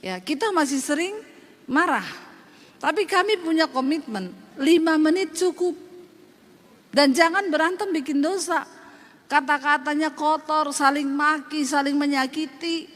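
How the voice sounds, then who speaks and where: Woman pastor, sulawesi accent, high voice, lively funny sermon, echoey church hall. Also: a little slow. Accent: Sulawesi Indonesian. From Sulawesi, Indonesia. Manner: lively, humorous, addresses congregation directly. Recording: long hall reverb, faint noise.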